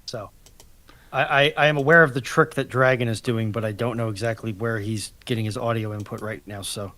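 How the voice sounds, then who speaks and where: A man in a casual panel discussion, explaining his points in a measured way with some hesitant restarts. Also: on the low side, fairly even intonation, pushed and bright. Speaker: livestream panelist.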